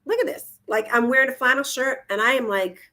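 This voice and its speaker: A woman's voice: high-pitched, brisk, bright, forceful tone. A woman co-hosting a casual livestream talk show from home on a video call, bubbly and gushing. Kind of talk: casual upbeat livestream chat. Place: home, indoors, in Florida.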